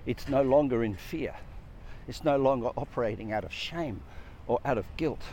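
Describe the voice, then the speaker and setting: Man, mid pitch, earnest reflective talk, repeats phrases, faint traffic noise. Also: normal speed, warm tone. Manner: earnest, repetitive, builds lists of questions. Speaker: speaker on personal growth.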